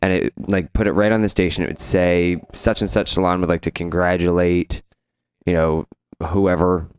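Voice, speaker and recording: Deep-voiced man hosting a salon podcast. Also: little pitch movement, normal speed, clear, resonant tone. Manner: storytelling, acts out quoted clients. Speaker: podcast co-host, hairdresser. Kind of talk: casual chat. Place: salon studio. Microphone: studio mic on boom arm, headphones.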